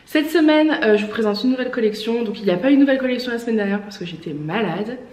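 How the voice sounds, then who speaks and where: A woman with a slightly high, lively, quick, somewhat mellow voice talks in a reverberant room in front of a mirror. She runs an online clothing shop and chats casually through a try-on vlog, full of fillers and eager praise for the outfits, her voice congested from a lingering cough.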